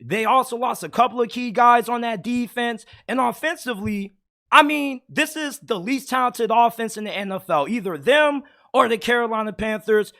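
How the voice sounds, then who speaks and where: A man with a raspy, hoarse voice giving blunt, opinionated sports talk as a host, getting heated as he goes. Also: very high voice, moderate pace, bright, forceful tone. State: hoarse from yelling.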